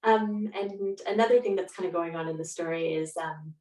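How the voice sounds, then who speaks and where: A lower-pitched woman with a Canadian accent speaks as an author being interviewed. Her talk is reflective and conversational. The recording is roomy and echoey, with her voice set back from the mic. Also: moderate pace, darkish tone. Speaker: author guest. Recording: echoey room, distant from mic.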